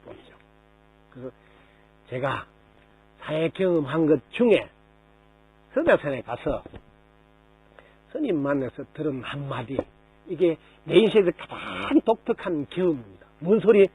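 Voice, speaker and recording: A man's voice: on the high side, very animated, a little slow, long pauses, a little mellow, breathy edge, poor audio. A man, a Buddhist monk, giving a dharma talk to lay listeners, telling stories with rhetorical questions and mimicking the people in them.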